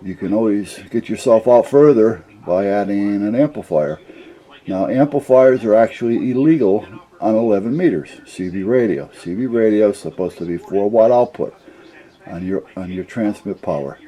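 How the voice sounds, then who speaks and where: A man's voice: lowish voice, normal speed, dark tone. An older man talking casually and off the cuff about his hobby, explaining things in a plain-spoken, rambling, folksy way. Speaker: CB radio hobbyist explaining gear.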